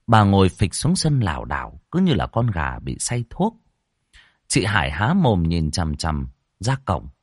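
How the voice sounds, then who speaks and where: A man narrating a horror story in an expressive, dramatic reading. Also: fairly low pitch, breathy edge, no echo, clean studio sound.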